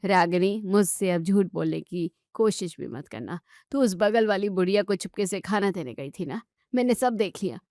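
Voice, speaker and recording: A woman voicing a sharp-tongued, suspicious middle-aged mother-in-law who scolds and demands. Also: mid-range voice, animated, normal speed, no echo, clean studio sound, lightly acted. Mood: scolding.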